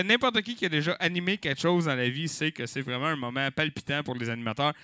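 A rowdy Québécois man hosts a live comedy night, tossing jokes and casual swears at the crowd. His voice sits high and swings widely up and down. It has a bright, crisp edge and sounds dry and close. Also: dry recording. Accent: Québécois French. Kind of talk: improvised stand-up hosting with mock auction. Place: live venue with audience.

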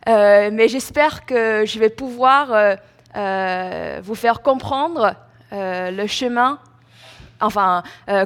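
Young chinese girl nervously sharing her testimony, slow, lots of ums. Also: a little high. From China. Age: young adult. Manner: hesitant, many fillers and restarts. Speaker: student giving testimony. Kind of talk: church testimony.

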